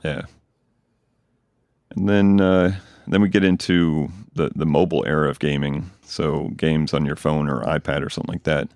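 A man's voice: a bass voice, fairly even intonation, normal speed, darkish tone, no room sound, clean studio sound. A man hosting a podcast, chatting casually and enthusiastically about games he recommends. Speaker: podcast host. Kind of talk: casual chat.

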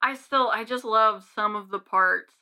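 A young woman chats casually as a podcast co-host. Her voice is bright with a lot of vocal fry, and she rambles in a giggly way. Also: a little high, a little slow. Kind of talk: casual chat.

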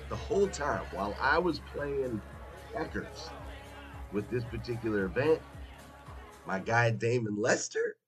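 A man hosting a motivational morning livestream, hoarse as if losing his voice, talking emphatically and chattily straight to his listeners and repeating phrases for effect. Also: medium pitch, animated, measured pace, long pauses, music in the background. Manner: folksy, chatty direct address to listeners. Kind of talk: motivational live talk to an audience.

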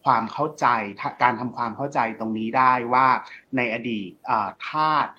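A man co-hosting a casual talk show, explaining things in a relaxed way with frequent hesitations. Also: mid-range voice, normal speed, highs cut off, a little hiss or hum. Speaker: co-host. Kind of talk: casual discussion podcast.

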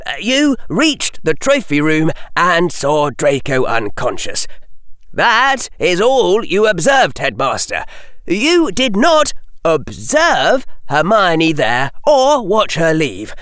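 A man doing a sharp, insistent boy wizard. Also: fairly high pitch, wildly swooping pitch, slow, clear, resonant tone, no echo, clean studio sound, voice pushed up, heavily acted. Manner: forceful, precise and demanding.

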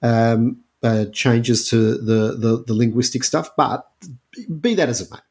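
A man's voice: mid-range voice, a little slow, darkish tone. An Australian man co-hosting a book podcast, speaking with emphatic enthusiasm and frequent restarts. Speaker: podcast co-host, critic. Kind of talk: casual book discussion.

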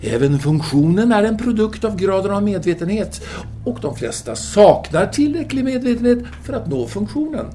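An actor playing a self-assured, philosophizing Parisian intellectual man in an audio drama, with formal, deliberate phrasing. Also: sits high, sing-song, mellow, soft background music. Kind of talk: audio drama acting, formal literary dialogue.

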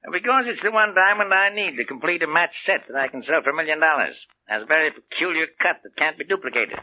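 A man plays an evasive, chuckling jewel dealer with a high voice that leaps around. His airy laughs slip between lines on a tinny, hissy old radio recording. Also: animated, fast talker, natural voice. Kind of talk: 1940s radio acting.

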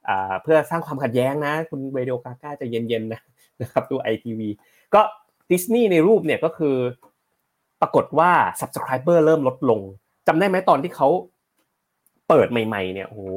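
A man's voice: mid-range voice, animated, measured pace. A man hosting a casual live stream about stocks, chatting with viewers and explaining news headlines, slightly short of breath. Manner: chatty, rambling, reads headlines aloud and explains them. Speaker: host of a stock market live show.

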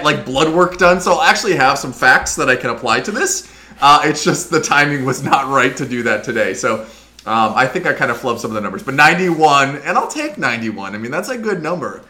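A man in his forties co-hosting a casual podcast chat, playful and expressive, given to teasing. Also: mid-range voice. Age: 40s. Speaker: podcast co-host.

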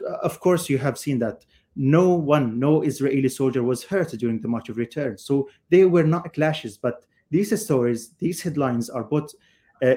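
A journalist from Palestine answering in a live interview, speaking earnestly and haltingly with many fillers and restarts. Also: male voice, medium pitch, warm tone. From Gaza, Palestine. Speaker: journalist, guest.

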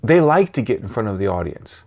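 A man speaking as a guest coach in an interview, animated and repeating key phrases for emphasis. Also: fairly low pitch, fairly quick. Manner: animated, acts out voices and sounds. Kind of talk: interview answering questions.

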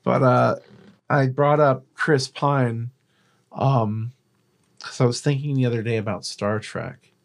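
A man's voice: medium pitch, fairly even intonation, slow, gravelly, long pauses. A man co-hosting a podcast, chatting casually in a rambling, explanatory way with some swearing. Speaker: podcast co-host. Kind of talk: casual chat.

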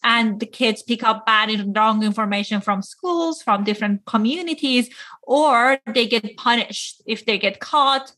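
Woman from Iran, psychologist guest; bright, slightly high voice, earnest and explanatory. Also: a little slow. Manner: earnest, explanatory, with frequent uh fillers. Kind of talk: interview answers.

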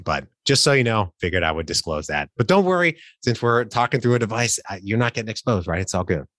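A man's voice: on the low side, lively intonation, fast, fairly bright tone, no room sound, clean studio sound. A man hosting a podcast, reading an upbeat intro with a slightly congested, nasal voice. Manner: upbeat, salesy call-to-action delivery. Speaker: podcast host.

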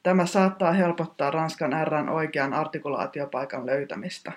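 Teacher reading out a pronunciation lesson, exact and technical, middle pitch. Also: fairly even intonation. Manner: precise, technical, instructive.

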